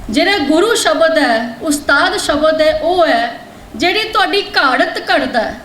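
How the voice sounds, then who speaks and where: A woman with a very high voice lectures a hall full of students. She fires questions at them and pushes them to answer louder. The sound is echoey, with a faint room hum. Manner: quizzes the audience and urges them to answer louder. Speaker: guest speaker addressing students. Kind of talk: lecture with call-and-response. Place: large hall at a religious college.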